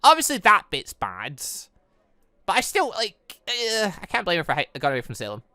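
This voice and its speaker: Animated bright-voiced man, gaming commentary. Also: high-pitched, moderate pace, no room sound, clean studio sound. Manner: stumbles over words and corrects himself. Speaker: gaming channel host. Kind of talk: visual novel read-aloud with off-the-cuff commentary.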